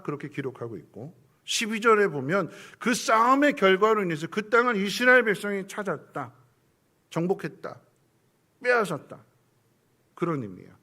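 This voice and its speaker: In a church sanctuary in South Korea, a male pastor preaches a Sunday sermon in a high voice with a sharp tone. He acts out quoted voices and sometimes drops to a whisper.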